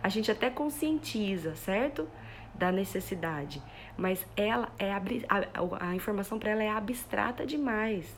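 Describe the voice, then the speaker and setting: A woman gives a live talk to parents as a parenting educator, in a voice of middling pitch. She works through everyday examples and keeps checking in with her listeners. A faint hum sits behind her phone mic. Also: lively intonation, normal speed.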